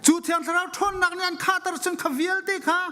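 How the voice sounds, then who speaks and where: High-pitched, fervent male preacher in echoing hall. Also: little pitch movement, quick pace, sharp tone. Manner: emphatic, repeats phrases for stress. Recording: long echoing hall reverberation.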